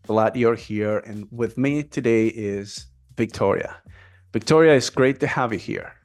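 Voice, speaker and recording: Upbeat male podcast host, lowish voice. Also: measured pace. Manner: energetic, encouraging.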